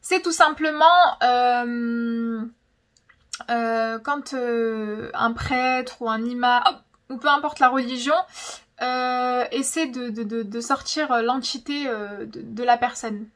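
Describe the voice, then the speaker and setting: High-pitched young woman, chatty and dramatic. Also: fairly even intonation, slow, fairly bright tone. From francophone, of Algerian descent. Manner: chatty, dramatic, emphatic, repeats words for effect. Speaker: YouTube host. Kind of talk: casual storytelling vlog.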